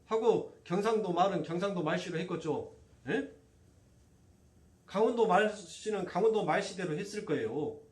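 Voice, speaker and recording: A male pastor preaches a sermon in a church sanctuary, firing rhetorical questions at his congregation. His voice sits high and is picked up off-mic from a distance, in an echoey room.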